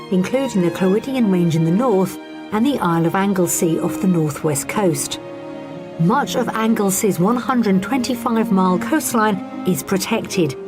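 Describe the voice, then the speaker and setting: A woman presenter giving measured, informative scripted voice-over for a television property programme. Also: mid-range voice. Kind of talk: scripted TV narration. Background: background music.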